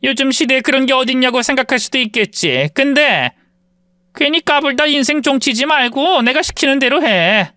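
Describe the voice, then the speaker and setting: Brief: commanding mother-in-law, played by a man, sharp and lively, menacing. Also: very high voice, moderate pace, no echo, studio quality, pitched above the performer's own voice, exaggerated voice. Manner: threatening, commanding. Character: imperious older woman, protective mother-in-law.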